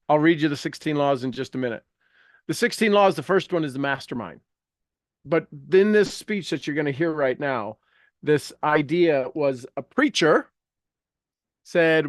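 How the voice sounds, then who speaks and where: In a dry, studio-quality recording, a man with a fairly high voice gives an informal, emphatic motivational lesson live. He reads passages aloud from a self-help book and keeps interrupting himself with rambling asides, often repeating phrases for effect.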